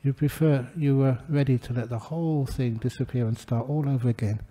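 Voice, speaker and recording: An older man, a Buddhist monk giving a gentle, humorous dharma talk to a gathering. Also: medium pitch, steady tone, a little fast, low-quality recording. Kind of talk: relaxed dharma talk with anecdotes.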